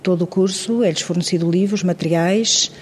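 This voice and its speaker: A woman answering interview questions briskly, with frequent hesitation fillers. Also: fairly low pitch, darkish tone, big-room sound, a little hiss or hum. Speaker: immigrant support staff member.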